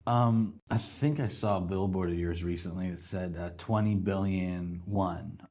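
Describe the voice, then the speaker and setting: A man's voice: low-pitched, steady tone, a little slow, darkish tone. A man hosting a casual promotional interview. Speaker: podcast host reading an advert interview. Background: faint music.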